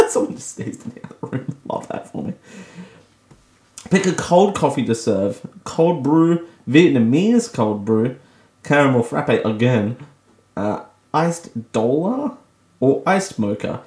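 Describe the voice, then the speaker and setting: A man's voice: medium pitch, sing-song, slow pace, a little mellow. An Australian man hosting a radio show, chatting casually on his own, joking at his own expense and laughing often. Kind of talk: casual solo radio talk. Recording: echoey room.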